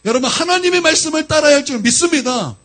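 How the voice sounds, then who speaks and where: A man's voice: very high voice, expressive, fast talker, a bit bright. A man preaching a sermon as a pastor, emphatic and often turning to the congregation directly.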